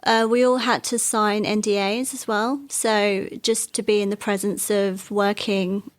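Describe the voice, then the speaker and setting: A woman born in Wales, a guest in an interview, recounting her career in a relaxed, chatty way. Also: medium pitch, unhurried. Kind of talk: interview conversation.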